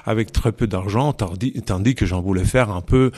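A low-pitched older man from Italy who speaks as a native Italian in a French interview. He pauses often, restarting his sentences and filling gaps with hesitations. He is recorded in a large meeting hall. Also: darkish tone. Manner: hesitant, many restarts and fillers. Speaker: interview guest. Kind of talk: conversational radio interview.

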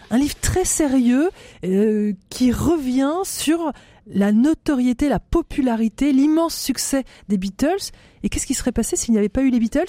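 Woman radio host, brisk moderator, high pitch, mellow tone. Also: no room sound. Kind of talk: hosting a radio panel.

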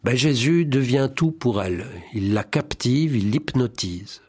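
A man's voice: medium pitch, lively intonation, unhurried, a little mellow, slightly rough, no echo. A man guest in a spiritual radio interview, speaking in a fervent, preacherly way and often quoting scripture. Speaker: priest and songwriter, interview guest.

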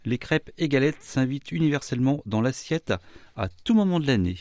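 A man's voice: mid-range voice, animated, a little fast, a little mellow, no echo. A man appearing as a chef guest on a radio show, answering questions and explaining recipes in an assured way.

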